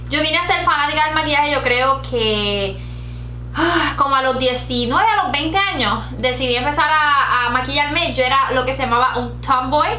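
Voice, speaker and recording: Puerto rican girl late 20s chatting at her desk, high sharp voice, roomy echo, faint hum behind. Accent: Puerto Rican Spanish. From Puerto Rico. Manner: chatty, giggly, mixes in English words. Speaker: beauty vlogger. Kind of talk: casual chat to camera. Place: bright home room with shelves. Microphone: camera at desk distance.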